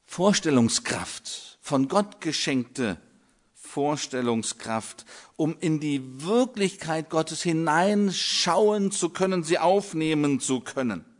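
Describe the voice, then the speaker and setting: An older man preaching a sermon in a measured way, with long dramatic pauses. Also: on the high side, animated.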